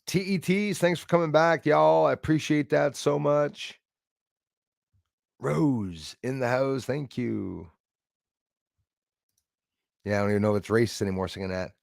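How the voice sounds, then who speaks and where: A man's voice: medium pitch, measured pace, creaky, long pauses, no room sound, studio quality. A man in his sixties hosting a casual live stream, chatting in a rambling way and thanking viewers by name. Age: 60s.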